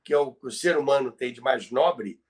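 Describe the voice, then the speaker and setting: A man's voice: mid-range voice, fairly quick. A Brazilian man telling radio history conversationally as a podcast presenter, explaining things emphatically and repeating key phrases for effect.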